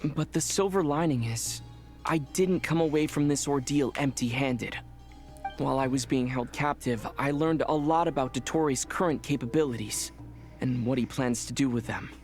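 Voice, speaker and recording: Man doing an earnest young game hero, composed, mid pitch, faint music behind. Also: normal speed, natural voice. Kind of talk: video game voice acting.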